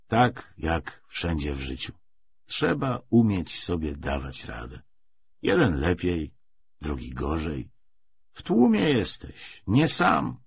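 A man voicing a guarded, worldly-wise young army recruiter confiding halting instructions in an audiobook. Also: sits low, creaky, husky, no room sound, highs cut off, exaggerated voice. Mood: resigned. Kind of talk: acted audiobook dialogue.

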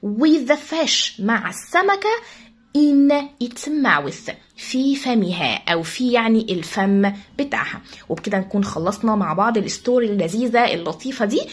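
Lively Egyptian woman teaching English. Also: fairly high pitch, breathy edge. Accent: Egyptian Arabic. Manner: quick explanations, slow English reading. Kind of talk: explaining a story for a children's class.

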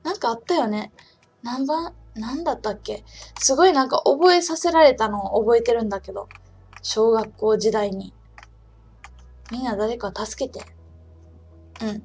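A woman's voice: on the high side, moderate pace, pauses often, a little mellow, breathy edge, soft background music. A woman hosting a live-streamed trading lesson, chatty and casual, talking to herself, reading viewer comments aloud and calling herself by name, her throat just recovering from soreness. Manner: chatty, talks to herself and reads chat aloud; calls herself by name in the third person. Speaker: trading channel host.

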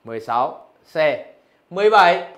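A man with a high voice teaches physics, working through exam questions one by one. He keeps checking with his students as he explains each answer. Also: sing-song, a little fast, fairly bright tone. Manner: talks through answers, asks rhetorical questions. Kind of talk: exam review lesson.

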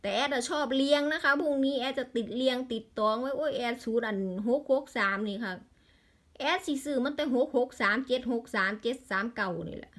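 A woman's voice: high voice, brisk, a bit bright. A woman with an Isan accent in a casual vlog, rattling off lottery number strings and breaking into exasperated grumbles.

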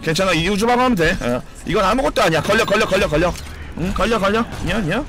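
A man streaming a competitive game, commenting live, cheering teammates and shouting and swearing as he plays. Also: sits high, quick pace, faint music behind. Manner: excitable, shouts and swears during play; cheers on teammates with repeated calls.

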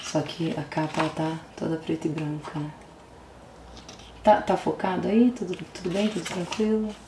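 A young woman with a Brazilian Portuguese accent and a slightly low voice gushes through an unboxing in a casual vlog. She talks in an exclamatory rush, sinks into hushed whispers and breaks into sudden squeals. The room sounds roomy, with a faint hiss of noise underneath. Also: little pitch movement, normal speed. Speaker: vlogger. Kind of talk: album unboxing chat.

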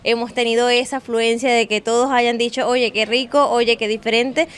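A woman chef in her thirties speaks with a Venezuelan accent into a handheld mic. Her voice is fairly high, and her tone is polite and welcoming. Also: steady tone, normal speed, clean tone. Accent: Venezuelan Spanish. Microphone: handheld reporter mic.

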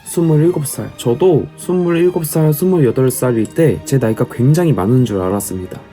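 A man's voice: mid-range voice, animated, brisk, warm tone, faint music behind. A man in his thirties, a YouTuber, chatting casually and reading viewer comments with self-deprecating jokes. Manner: self-deprecating, joking asides. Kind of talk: casual vlog chat.

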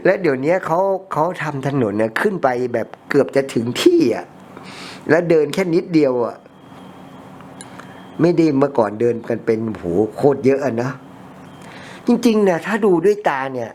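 A man's voice: fairly high pitch, expressive, normal speed, pauses often, a little mellow, slight background noise. A man casually chatting with a customer while cleaning ears, a rambling storyteller with blunt, informal speech. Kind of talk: casual chat during ASMR ear cleaning. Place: ear-cleaning session with a customer.

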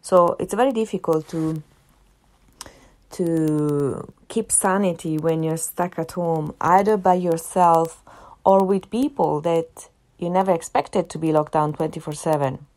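A woman's voice: low voice, unhurried, darkish tone. A woman with an Italian accent hosting a solo podcast, talking earnestly and repeating phrases for emphasis. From half Italian, family in Italy. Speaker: podcast host.

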